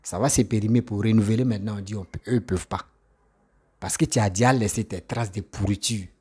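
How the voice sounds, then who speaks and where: Impassioned man, low husky voice. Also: steady tone, brisk, dark tone. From Côte d'Ivoire. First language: an African language, not French. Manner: emphatic, repetitive, rhetorical questions. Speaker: commentator responding to critics. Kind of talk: impassioned political monologue.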